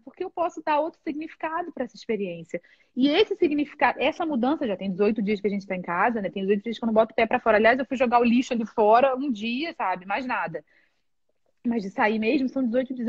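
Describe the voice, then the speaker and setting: A woman's voice: high-pitched, a little mellow, husky, no echo, lo-fi sound. A Brazilian woman, a guest on a live video chat, talking candidly and expressively with frequent laughs. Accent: Brazilian Portuguese.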